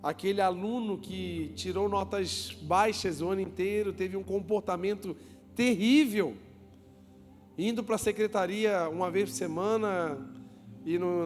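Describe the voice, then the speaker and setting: A pastor preaching a lively sermon to his congregation, joking with them, asking them questions and calling for applause. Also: high-pitched. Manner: joking, asks the crowd questions and calls for applause. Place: church hall with a congregation. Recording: long church reverb, music behind.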